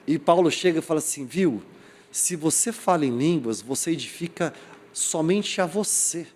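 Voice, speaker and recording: A young man from Brazil preaching with lively storytelling, his voice sitting a little high for a man. He acts out the people in his story and laughs at himself along the way. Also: moderate pace, slight background noise. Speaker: pastor. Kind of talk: sermon with personal storytelling.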